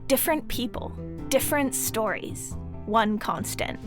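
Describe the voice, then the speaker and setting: A woman narrates a scripted trailer for a fiction show. Her voice is fairly high, and music plays clearly behind her. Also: lively intonation, a little slow.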